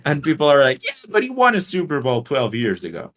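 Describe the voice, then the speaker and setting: A man's voice: on the high side, huge pitch swings, a little fast, a bit bright. A man from Portugal co-hosting a casual sports podcast, talking bluntly with swearing and rambling explanations. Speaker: podcast co-host.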